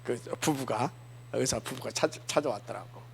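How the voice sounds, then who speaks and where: Gravelly Korean man preaching casually. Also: mid-range voice, normal speed, slight background noise. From Jeolla, South Korea. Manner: conversational preaching, rhetorical questions to the congregation. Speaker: pastor. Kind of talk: sermon. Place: church sanctuary.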